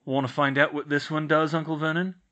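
A man's voice: fairly high pitch, flat delivery, fairly quick, pushed and bright, voice pushed up. A man voicing a defiant teenage boy who talks in a firm, self-assured way. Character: defiant teenage boy wizard, calm and smug.

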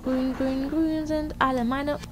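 Young woman, high voice, let's player, playful commentary with bursts of singing, faint hiss behind. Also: level tone, slow pace. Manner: playful, sings and jokes, reads game text aloud. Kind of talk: game commentary.

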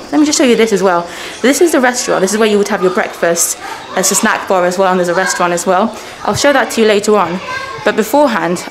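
A woman in her thirties whose first language is Persian chats brightly through a self-filmed hotel walkthrough, with her pitch jumping up now and then. The sound is handheld camera audio with clear background noise from the indoor lobby. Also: poor audio. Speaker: travel vlogger. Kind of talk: casual walking hotel tour.

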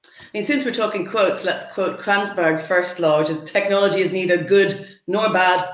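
A woman's voice: on the low side, normal speed. A young woman, a tech reporter, asking probing questions on a video call in a conversational way. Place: home room. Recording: roomy video-call audio.

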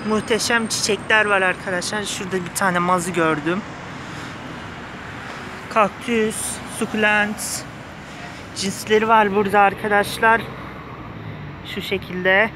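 High-voiced man talking through a face mask. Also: steady tone, unhurried, pauses often. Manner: enthusiastic, gushing, addresses viewers often. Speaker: vlogger. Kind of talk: casual handheld shopping vlog commentary. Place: outdoors on a street pavement outside a flower shop. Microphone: handheld phone behind the camera. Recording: street noise with passing cars. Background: cars, outdoor urban ambience.

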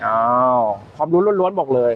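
A man's voice: fairly high pitch, lively intonation, normal speed, narrow, tinny audio, a little hiss or hum. Chatty joking man showing cocktails. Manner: chatty and joking, repeats words. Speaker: host. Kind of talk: casual cocktail-making demo.

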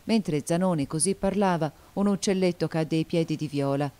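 A woman narrating a classic novel as an audiobook, calm, even and measured. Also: low-pitched.

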